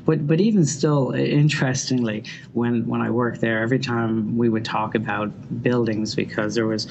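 A man's voice: mid-range voice, fairly even intonation, normal speed, vocal fry, muffled recording. A middle-aged man with a Dublin accent who is an architect, talking in a reflective, rambling way with many fillers and restarts. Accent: Irish, Dublin. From Ireland. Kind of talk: casual interview. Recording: loud background noise.

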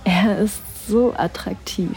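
A woman narrating an erotic audio drama in the first person, in a breathy, sensual way that slips into whispers. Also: mid-range voice, takes it slowly, darkish tone.

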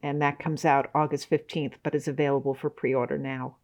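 A woman's voice: very deep voice, flat delivery, brisk, darkish tone. Woman, interview guest, speaks steadily and informatively, a little hesitant at times. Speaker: guest, travel writer. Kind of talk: interview answers.

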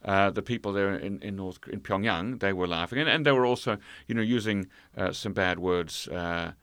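A man telling a travel story in an interview, halting, full of fillers and restarts. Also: low-pitched, a bit bright, clean tone, dry recording. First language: English. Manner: hesitant, many fillers and restarts. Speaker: guest. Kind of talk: conversational storytelling.

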